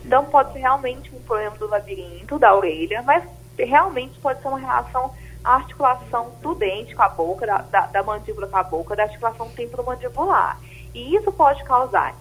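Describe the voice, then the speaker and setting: A woman doctor on a radio health show, explaining symptoms in a measured way, often starting with "então". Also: a little high, animated, slightly rough, low-quality recording. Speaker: doctor guest.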